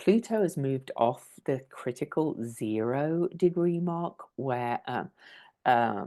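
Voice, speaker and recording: A woman's voice with a dark, mellow tone comes through over a quiet background. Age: 60s. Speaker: astrologer. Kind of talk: solo talk video on astrology. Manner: hesitant, many fillers and restarts.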